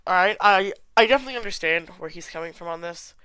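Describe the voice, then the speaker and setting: Podcast host, casual solo review, stuffy-nosed sick voice, opinionated, bright, close dry sound. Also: mid-range voice, quick pace, clear, resonant tone, no room sound. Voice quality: congested. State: sick with stuffy nose and sore throat.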